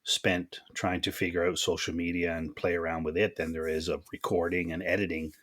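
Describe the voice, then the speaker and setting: A man's voice: sits low, flat delivery, fairly quick, fairly bright tone. A man hosting a podcast, asking questions in an easygoing, chatty way. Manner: easygoing, chatty, laughs along. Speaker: podcast host. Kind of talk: casual interview chat.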